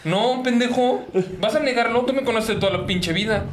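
A man's voice: very high-pitched, a little fast, a little hiss or hum. A young man from Mexico with a Mexican Spanish accent, co-hosting a casual sports podcast, arguing his point insistently and swearing for emphasis. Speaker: podcast co-host. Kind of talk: casual banter among friends.

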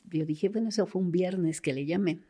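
A woman's voice: on the low side, normal speed. A woman, a forensic doctor telling stories in an interview and acting out the voices of the people in them. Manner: animated, acts out quoted voices. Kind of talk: storytelling interview.

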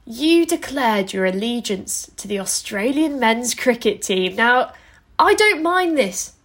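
A woman co-hosting a casual sports podcast in a teasing, animated way. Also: high-pitched. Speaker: podcast co-host.

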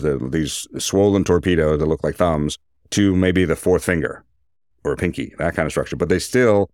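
A man's voice: very deep voice, a little mellow, clear, resonant tone, no room sound, clean studio sound. A man speaking as a surgeon, giving an informal, detailed medical explanation in a conversational way.

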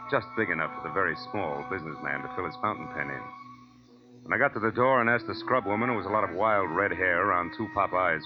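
An actor playing a wry, hard-boiled American private detective, terse and slangy, in 1940s radio style. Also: male voice, deep voice. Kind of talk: 1940s radio acting and first-person narration. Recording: muffled old radio recording with music.

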